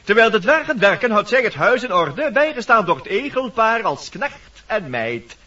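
A man's voice: high voice, very animated, normal speed, bright, forceful tone, full character voice. A man voicing a talkative, fussy woodpecker who narrates theatrically in a radio play. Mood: chatty, confiding. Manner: theatrical, addressing audience, fussy. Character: talkative, lively woodpecker, protective leader and narrator. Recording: dull, distant vintage radio recording.

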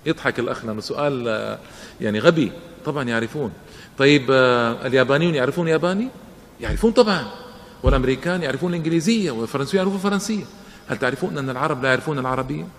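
A man's voice: medium pitch, very fast. A man giving a public lecture and answering questions, emphatic, with rhetorical questions and repetition for stress. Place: lecture hall. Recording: lecture hall with echo and faint noise.

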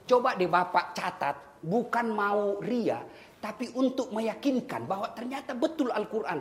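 A man preaching a humorous sermon to a congregation, teasing his listeners and building up to loud calls. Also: high-pitched, slight background noise. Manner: jokey, teasing, rising to loud exhortations.

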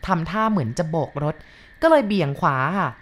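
A woman with a fairly low voice tells a ghost story at an unhurried, measured pace. Her delivery is polite and steady, like someone recounting a listener's experience. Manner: measured retelling with polite particles.

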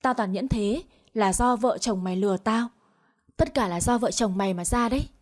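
A woman's voice: medium pitch, moderate pace, lightly acted. A woman voicing a cruel older mother-in-law who scolds with harsh contempt. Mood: furious.

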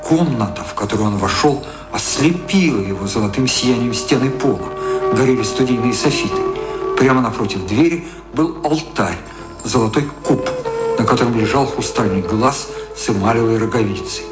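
A man's voice: medium pitch, lively intonation, moderate pace. Echoey male narrator over music. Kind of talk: scripted radio drama narration. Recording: roomy echo.

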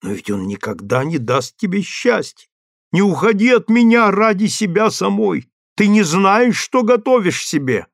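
A man's voice: big pitch swings, normal speed, creaky, dry recording, clean studio sound, heavily acted. A man voicing a sobbing, begging husband. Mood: pleading. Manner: tearful, imploring, voice rising high. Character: desperate pleading husband, middle-aged man, weak. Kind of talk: audiobook character reading.

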